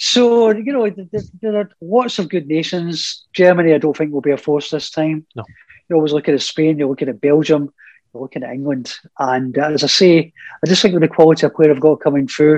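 In a Scottish accent, a man speaks fast-ish at a fairly high pitch with lively intonation, his dry, close sound having no echo over a quiet background. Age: 50s. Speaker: sports journalist. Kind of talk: casual interview.

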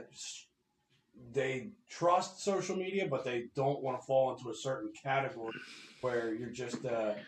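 Using a plain, everyday voice, a man with an American accent talks at a medium pitch with ordinary pitch variation. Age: 30s. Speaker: wrestling podcast host. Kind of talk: casual chat.

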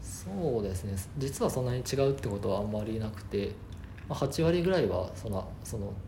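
A man's fairly low voice with vocal fry, a dark, mellow tone and lively intonation, at a moderate pace, with audible room echo. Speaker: software engineer. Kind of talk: casual chat. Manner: halting.

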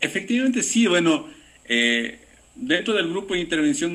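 This is a man's voice with ordinary pitch variation. The tone comes across bright and sharp. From Ecuador, rural countryside. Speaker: police mountain rescuer and mountaineering instructor. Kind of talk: interview.

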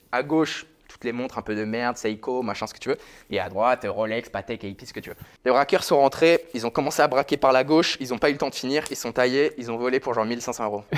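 A man with a medium pitch talks at a very fast pace, his loudness swinging widely. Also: ordinary pitch variation. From England and France, born in London. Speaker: forex trader. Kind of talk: casual interview.

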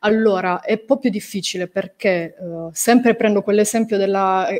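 A woman with an unremarkable speaking voice talks at a moderate pace. Her pitch is medium and her intonation fairly even. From southern Italy, Apulia. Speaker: wedding photographer. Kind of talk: interview.

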